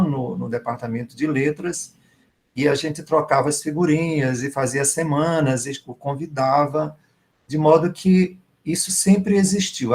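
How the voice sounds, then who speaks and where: A middle-aged man, a writer and professor speaking as a guest in an online literary conversation, reminiscing warmly and gratefully. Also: a little high. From Maranhão, Brazil.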